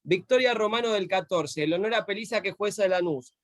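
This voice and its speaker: Man hosting, high pitched, dry close sound, polite talker. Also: fairly quick, no room sound. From Argentina. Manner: courteous, chatty, reads off names. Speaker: interview host. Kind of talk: live online interview.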